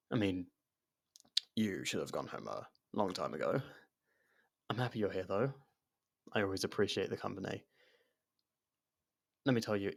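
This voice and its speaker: A man's voice: fairly low pitch, creaky, heavily acted. A man acting a nervous, awkward, secretly obsessive young lover in an intimate ASMR roleplay, stammering and backtracking as he talks. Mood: embarrassed, sheepish. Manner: stammering, hesitant, self-conscious, backtracking. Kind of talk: ASMR roleplay, intimate one-sided dialogue.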